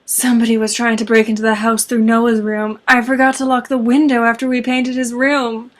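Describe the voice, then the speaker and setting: A woman's voice: on the high side, flat delivery, brisk, natural voice. A woman voicing a protective young father in a horror story, earnest, shaken but tender. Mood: apologetic, shaken.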